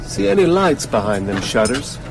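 An actor playing a gruff, jumpy delivery man in a radio drama. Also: medium pitch, very animated, moderate pace, over music, rough recording. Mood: nervous bravado.

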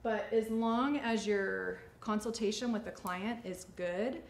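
A woman's voice: mid-range voice, measured pace, vocal fry. A woman in her forties, a salon owner, talking casually and chattily as she teaches during a demonstration. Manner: chatty, informal. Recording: echoey studio room, faint ambient noise.

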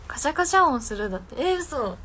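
Young woman streamer, lilt, higher voice, chatty with viewers, faint room hiss behind. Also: big pitch swings, fast, bright, forceful tone. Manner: chatty, reacts to viewer comments. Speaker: idol livestreamer. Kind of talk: casual live stream chat. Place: her own room, alone.

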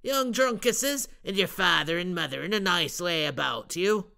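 Woman voicing a loud, scolding old keeper from a storybook. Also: fairly low pitch, animated, normal speed, gravelly, full character voice. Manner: loud, blustering. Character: gruff elderly male lighthouse keeper, scolding.

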